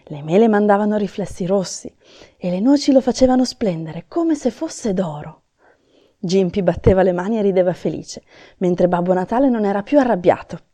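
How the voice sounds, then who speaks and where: Woman reading a kids fairy tale, gentle, dark mellow tone, bit raspy. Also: medium pitch, animated, normal speed, no echo. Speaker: storyteller. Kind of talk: children's storybook narration.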